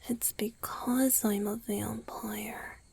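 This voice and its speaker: A woman voicing a tender romantic young male vampire boyfriend in a gentle, breathy whisper for an ASMR roleplay. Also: mid-range voice, steady tone, exaggerated voice. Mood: tender, devoted. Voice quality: breathy, airy. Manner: slow, gentle, intimate.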